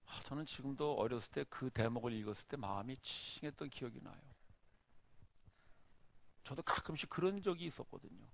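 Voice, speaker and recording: Gravelly middle-aged man telling a story. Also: medium pitch, fairly quick. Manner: animated storyteller, acts out the scenes. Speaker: pastor. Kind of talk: sermon storytelling. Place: church.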